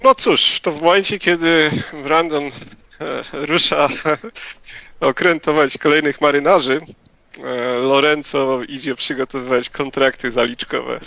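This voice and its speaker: Male player, gravelly bright voice, hesitant, dry video call sound. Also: on the high side, steady tone, unhurried, no room sound, low-quality recording. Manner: hesitant, filler-heavy. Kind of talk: in-character role-play narration.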